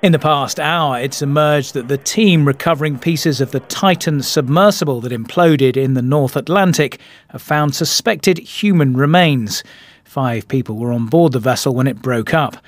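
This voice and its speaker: A man presenting the news in a measured, formal way and questioning a guest. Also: mid-range voice, no echo.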